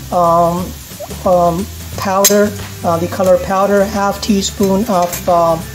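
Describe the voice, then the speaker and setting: A woman speaks at a fairly low pitch over clear music in the background. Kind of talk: cooking tutorial. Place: kitchen.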